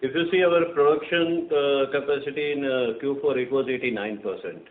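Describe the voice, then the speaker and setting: A man with an Indian accent answering questions unscripted as a company executive, in a halting, hesitant way. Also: mid-range voice. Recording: echoey, noisy narrowband phone line.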